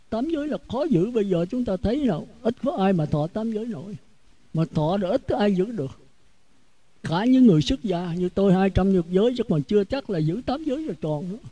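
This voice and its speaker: A man's voice: high voice, warm tone, dry recording, low-quality recording. A Buddhist monk with a Southern Vietnamese accent giving a blunt, outspoken sermon, often repeating words as he searches for the next one.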